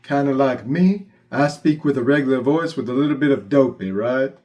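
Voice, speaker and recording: A man's voice: mid-range voice, moderate pace, warm tone, natural voice. A man voicing a mild, helpful, slightly dopey monkey puppet with a Southern US accent. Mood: earnest.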